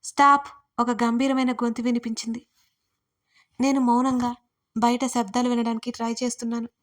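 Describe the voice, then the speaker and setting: Woman narrating a story in an even tone. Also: on the high side, fairly quick. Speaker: author and narrator. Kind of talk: scripted first-person story narration.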